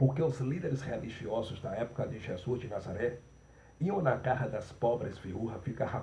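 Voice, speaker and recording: A man's somewhat breathy voice, medium in pitch, carries a dark, mellow tone with ordinary pitch variation. He goes at a moderate pace amid audible room echo. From Brazil, Northeast. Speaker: preacher. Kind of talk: sermon.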